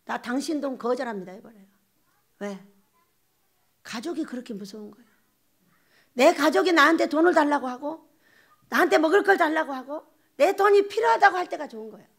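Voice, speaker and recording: A woman's voice: high voice, a little fast, gravelly, pauses often. A woman pastor preaching a sermon, telling stories with laughter and acting out quotes. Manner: animated storytelling with laughter and acted-out quotes. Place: church sanctuary.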